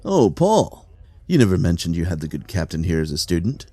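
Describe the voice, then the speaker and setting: A man's voice: sits low, huge pitch swings, a little fast, warm tone, husky, dry recording, exaggerated voice. A man acting a genial but authoritative fleet admiral in a sci-fi audio drama, courteous, probing and commanding. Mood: jovial, insistent.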